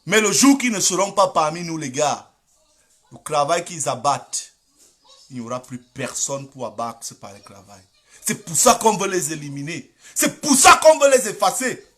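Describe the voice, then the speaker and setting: Man, Cameroonian French accent, middle-aged, high pitched, emphatic and repetitive, political commentator. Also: sing-song, moderate pace, fairly bright tone. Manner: emphatic, repetitive, exhorting listeners.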